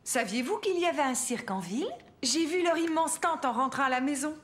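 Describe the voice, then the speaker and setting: A woman voicing a warm, cheerful young mother in a French children's cartoon, encouraging and gently teasing. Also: high voice, animated, brisk.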